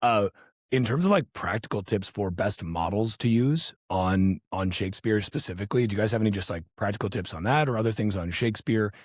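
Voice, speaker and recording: A man hosting a podcast, chatting casually, losing his voice and sounding hoarse and gravelly, excitable and swearing casually. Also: fairly low pitch, brisk, no room sound, clean studio sound. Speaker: podcast host.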